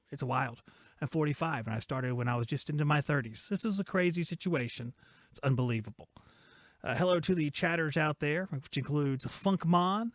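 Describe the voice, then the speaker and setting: A man's voice: a little high, no echo, studio quality. A man in his forties hosting a live-streamed podcast from his workshop, rambling and joking as he reads viewer chat aloud. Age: 40s. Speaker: host of a live-streamed shop talk podcast.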